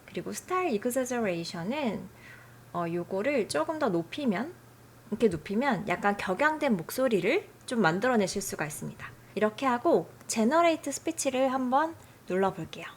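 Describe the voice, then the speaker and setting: A woman hosting a software tutorial, explaining settings in a friendly, chatty way. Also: on the high side, sing-song, brisk, slight background noise. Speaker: tutorial host.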